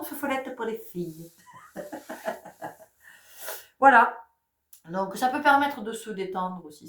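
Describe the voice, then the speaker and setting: A middle-aged woman with a stuffy nose from a cold, giving a casual spiritual talk that speaks directly to listeners and often breaks into laughter. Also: lowish voice. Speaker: spiritual guide. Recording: roomy sound, distant mic.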